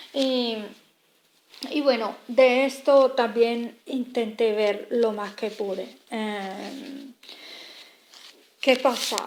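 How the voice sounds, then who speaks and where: Her voice is fairly high, and this woman keeps her intonation fairly even. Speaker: video blogger. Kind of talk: casual monologue. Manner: hesitant, many fillers.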